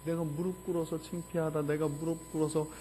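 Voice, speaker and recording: A man in his forties, a pastor preaching a heartfelt sermon, telling a personal story in a mostly quiet, low voice that swells to loud fervor. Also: level tone, brisk, a little hiss or hum. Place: church sanctuary.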